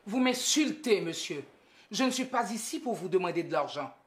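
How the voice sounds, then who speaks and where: A woman's voice: mid-range voice, lively intonation, moderate pace, close to an everyday voice. An actress playing an upset, emphatic middle-aged mother in a film. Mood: formal. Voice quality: emphatic, voice rising to shouts. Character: agitated middle-aged mother, loud and fretful. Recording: echoey room.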